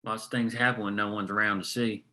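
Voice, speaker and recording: Cautious, level-headed man, acted by a male reader: plain-spoken, reasoning, strikingly bright and forceful, drama. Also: fairly low pitch, flat delivery, fast talker. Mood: urging, firm. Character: level-headed, cautious ally urging restraint. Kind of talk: script table read.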